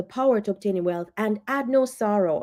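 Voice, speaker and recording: A woman's fairly high voice with a dark, mellow tone, ordinary pitch variation, and a very clean recording over a silent background. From Jamaica. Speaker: purpose and career coach. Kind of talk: interview. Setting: on vacation in Florida.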